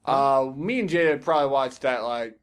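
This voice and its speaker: A man's voice: medium pitch, normal speed, clear, resonant tone. A man co-hosting a casual gaming podcast, giving blunt opinions with plenty of offhand swearing. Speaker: podcast co-host.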